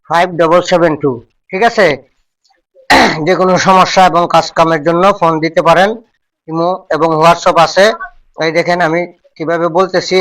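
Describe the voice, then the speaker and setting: A man's voice: a little high, recorded from a distance, poor audio. A man, a folk healer, giving a step-by-step ritual demonstration and repeating each instruction over and over.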